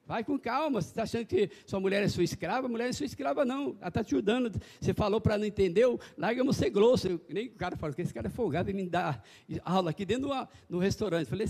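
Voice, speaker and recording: Man, pastor, high voice, folksy animated sermon. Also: breathy edge. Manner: folksy, animated preaching with calls to the congregation. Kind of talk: evangelical sermon.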